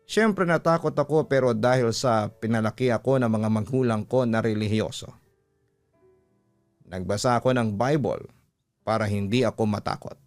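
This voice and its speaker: A man's voice: mid-range voice, normal speed, faint music behind. A man with a Filipino accent, a radio host reading a listener's letter as a dramatic first-person story.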